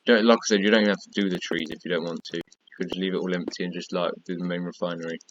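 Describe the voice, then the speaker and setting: A gaming tutorial creator, tired and losing his voice, talks casually through a block-building tutorial as he works, repeatedly counting and pointing things out. His deep voice is level and very fast, on a muffled recording with a little hiss or hum.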